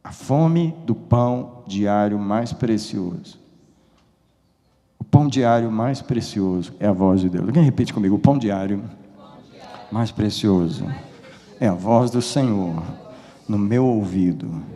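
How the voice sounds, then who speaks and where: A man preaching a sermon as pastor, swinging from loud urging to hushed, confessional asides. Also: on the low side, a little slow, long pauses. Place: church hall. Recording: long hall reverb.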